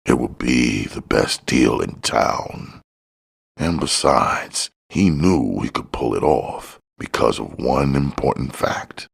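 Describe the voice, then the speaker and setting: A man's voice: very deep voice, animated, takes it slowly, creaky, breathy edge. A man reading crime fiction aloud as scripted audiobook narration.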